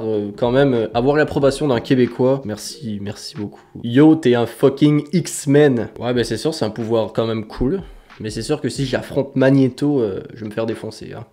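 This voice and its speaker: A man's voice: mid-range voice, dark tone. Young man with a French-Quebec accent. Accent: mix of French and Quebec French. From France. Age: young adult. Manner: playful, joking, swears freely. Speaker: content creator. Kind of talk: casual vlog chat answering comments.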